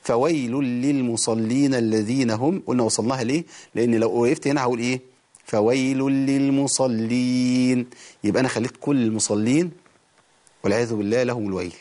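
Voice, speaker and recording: A man with an Egyptian Arabic accent teaching Quran recitation on a TV show, explaining the rules in plain speech and reciting verses slowly and drawn out. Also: medium pitch, darkish tone.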